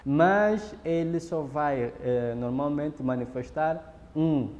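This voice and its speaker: A man's voice: on the high side, takes it slowly, darkish tone, muffled recording. A man explaining ritual practice in a documentary interview, lecturing and often adding tag questions. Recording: roomy echo with long reverb.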